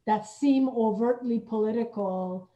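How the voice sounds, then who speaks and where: A woman's voice: on the high side, unhurried, mellow. A woman hosting a conversational interview, heard muffled and echoey from a distance. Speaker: interview host.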